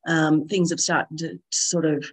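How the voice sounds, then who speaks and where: A woman with a slightly croaky, hoarse voice from being unwell, co-hosting a podcast in a relaxed, conversational way. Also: low-pitched, measured pace. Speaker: podcast co-host.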